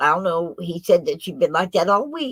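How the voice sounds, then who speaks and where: Her voice is fairly low, with ordinary pitch variation. The woman's recording sounds dry and close with no echo. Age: 60s. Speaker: livestreamer. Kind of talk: casual livestream chat. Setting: livestream from home. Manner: rambling, chatty, halting.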